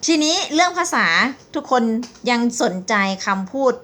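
A young woman, chatty and rambling as she gives a casual English lesson, reading phrases slowly and explaining them. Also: sits high, very animated, fairly bright tone. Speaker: English tutor. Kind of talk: casual vlog-style language lesson.

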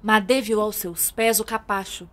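A woman with a Brazilian accent narrating a radio serial as theatrical storytelling, with deliberate dramatic pauses. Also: medium pitch, steady tone, noisy background.

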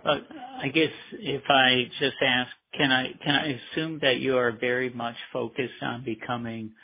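A man's voice: medium pitch, flat delivery, moderate pace, a little hiss or hum. A man with a mid-range voice asks questions as an analyst on an earnings call. He is polite and fairly informal. The audio is thin and phone-like. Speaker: financial analyst caller. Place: conference call. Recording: tinny phone line.

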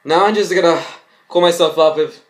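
A young man reads a story aloud and comments on it, haltingly, often tripping over his words. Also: fairly high pitch. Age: young adult. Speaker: vlogger. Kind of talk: reading fan fiction aloud with mocking commentary. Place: small bedroom indoors.

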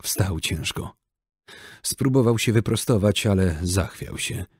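A man reading an audiobook in steady, measured scripted narration. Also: fairly low pitch, slightly rough, no echo, clean studio sound.

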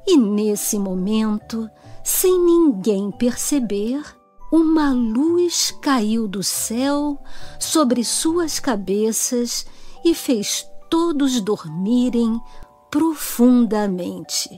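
A woman's voice: fairly high pitch, lively intonation, drawn-out words, mellow, faint music behind. A woman with a Brazilian accent narrating a storybook for children.

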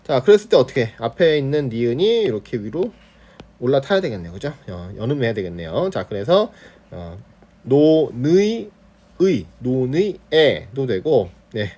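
Guy teacher going over pronunciation, animated up and down voice, keeps checking w/ the class. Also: medium pitch, fairly quick. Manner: explains pronunciation with many "그죠?" check-ins, demonstrating sounds. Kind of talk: online Korean grammar lesson.

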